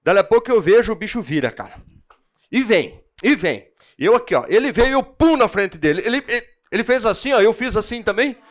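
A man with a Brazilian Portuguese accent teaching a church Bible class, telling animated personal stories in a slangy, chatty way. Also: high-pitched, a little fast.

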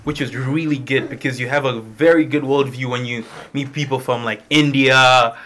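Speaking at a moderate pace in a steady, fairly bright, medium-pitched voice, a young man from Malawi tells a small group his own story. He's an international student, and his testimony comes across as informal and conversational.

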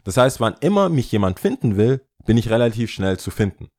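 A man chats on a podcast with lively, animated storytelling, pitched at a medium height. He keeps slipping English slang into his talk, loose and relaxed. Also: a little fast. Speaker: podcast guest. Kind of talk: casual storytelling chat.

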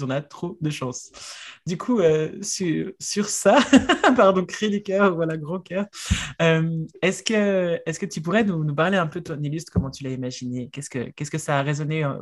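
A woman co-hosting a casual podcast, effusive and hesitant, restarting her sentences often. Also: deep voice. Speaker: podcast co-host.

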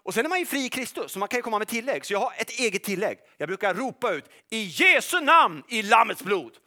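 A middle-aged man preaching a sermon in an animated, jokey way, often checking that his listeners follow along. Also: high-pitched. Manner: animated and jokey, asks the audience "are you with me?".

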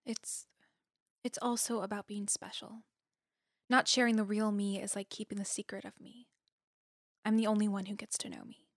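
A woman's voice: medium pitch, lively intonation, normal speed, gravelly, pauses often, no echo, studio quality. A woman playing an anxious but determined young student in an audio drama, understated and wry. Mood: reflective, wry. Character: anxious, determined young female student, dry wit, guarded. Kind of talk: audio drama acting, naturalistic dialogue.

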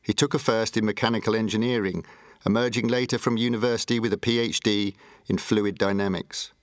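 A man's voice: lowish voice, fairly even intonation, fairly quick, dry recording, clean studio sound. A man reading scripted narration as an announcer for an audio series.

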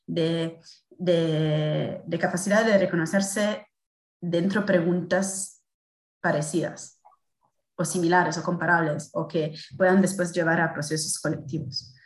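A woman with an Italian accent speaking Spanish as a second language, haltingly searching for words in a spontaneous discussion. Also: on the low side, fairly even intonation. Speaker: course participant. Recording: roomy, echoing sound.

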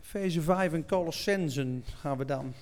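A male preacher delivers a sermon in a high, gravelly voice. He speaks slowly and with weight, stretching words for emphasis. His tone stays smooth and resonant even when he rises to cry out or sing. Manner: slow, emphatic delivery, swelling to shouts and sung lines.

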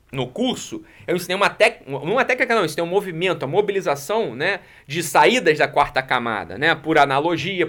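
A man's voice: on the high side, bright, forceful tone. A Brazilian man giving blunt motivational advice, scolding and coarse, often tagging lines with a questioning "né?". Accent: Brazilian Portuguese. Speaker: teacher answering audience messages.

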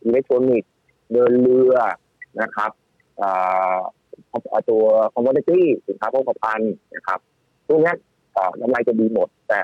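A man giving casual, animated stock-market talk as a guest analyst, with many restarts and fillers. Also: medium pitch, measured pace, dry recording. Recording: tinny phone-line audio, faint music.

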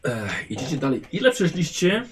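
A man narrating a tabletop role-playing game as game master, telling the scene in a lively way. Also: fairly high pitch, normal speed, a little hiss or hum. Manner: lively, animated storytelling.

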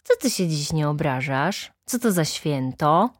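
A woman's voice: low voice, lively intonation, measured pace, dry recording, studio quality. A woman voicing a cheeky schoolboy who mocks and wheedles, in a children's storybook reading. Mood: mocking. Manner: mocking, wheedling. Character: cheeky schoolboy, mocking and curious.

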